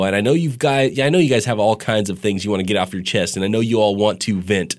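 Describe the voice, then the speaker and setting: Stuffed-up male sports podcaster. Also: mid-range voice. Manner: candid, conversational, blunt. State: stuffed up, a little sick. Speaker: podcast host. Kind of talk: casual sports podcast talk.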